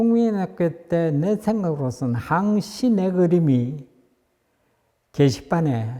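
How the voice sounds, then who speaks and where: At a very slow pace, a man with a fairly high pitch speaks with very wide pitch swings. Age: 80s+. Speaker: elderly artist. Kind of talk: oral history interview. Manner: hesitant, with fillers.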